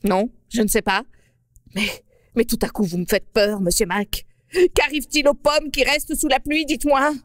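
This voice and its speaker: A woman's voice: fairly high pitch, flat delivery, moderate pace, no room sound, clean studio sound, lightly acted. A woman voicing a dramatic, easily frightened female apple, theatrical and exclaiming. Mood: alarmed.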